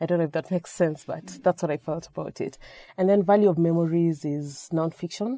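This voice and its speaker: On a very clean recording with a silent background and a dry, close sound with no echo, a woman talks at a very fast pace in a fairly low, dark, mellow voice with ordinary pitch variation and big swings in loudness. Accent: Kenyan. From Kenya. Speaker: writer and guest co-host. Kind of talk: casual chat. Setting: studio.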